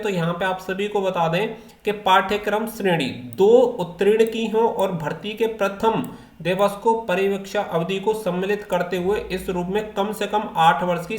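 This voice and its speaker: A man presenting an informal educational explainer, reading out official rules and then restating them step by step in a repetitive way. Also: sits high. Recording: echoey, reverberant room.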